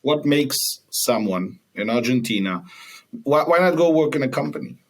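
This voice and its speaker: A man hosting a podcast interview, welcoming his guest and pressing him with quick, repeated questions. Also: mid-range voice, expressive. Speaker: podcast host.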